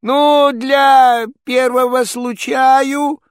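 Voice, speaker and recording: A reader voicing an irate, bearded old tsar who shouts high-pitched threats in a storybook verse tale. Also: little pitch movement, drawn-out words, smooth, no room sound, studio quality, full character voice. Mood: gruff mocking.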